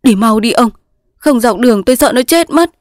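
A woman voicing a young male resistance soldier, pleading in loud sobbing outbursts in a storybook reading. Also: on the high side, brisk, no room sound, clean studio sound, pitched above the performer's own voice, natural voice. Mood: frantic.

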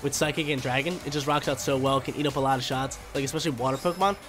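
Medium in pitch and fairly even in intonation, a young male YouTuber talks quickly while commentating a game battle live. Allergies leave him stuffy and nasal; he's hyped, slangy, and keeps talking himself through moves. Faint game music plays underneath.

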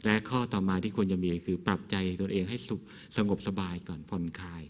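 Soft-voiced Thai monk in a reverberant hall. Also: male voice, low voice, brisk. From Thailand. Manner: gentle, conversational, asks rhetorical questions; frequent soft laughs. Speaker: Buddhist monk. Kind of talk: dhamma talk.

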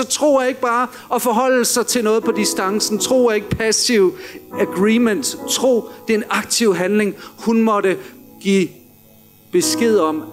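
A man preaching a lively sermon in a church, acting out the words of Jesus and chuckling at his own jokes. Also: high voice. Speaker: pastor.

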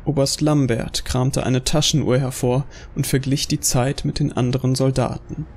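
A man narrating a dark audio drama from a script, as the storyteller. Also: medium pitch, flat delivery, moderate pace.

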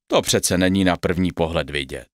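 A man's voice: low-pitched, noisy background, lightly acted. A man voicing a greedy, quarrelsome young village woman in a storybook tale, in a raised, bossy voice. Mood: sharp.

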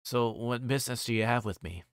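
A man's voice: medium pitch, brisk, no room sound, clean studio sound, close to an everyday voice. A man voicing a guarded, hesitant schoolboy being questioned in a visual novel. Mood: wary. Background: music behind the voice.

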